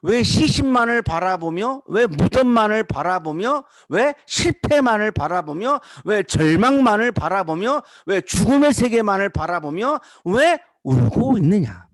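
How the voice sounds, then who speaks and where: Male preacher, expressive high voice, dry close recording, deliberate rhetorical sermon delivery. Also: no room sound. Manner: slow, repetitive rhetorical questions, quoting scripture. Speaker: pastor. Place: university chapel.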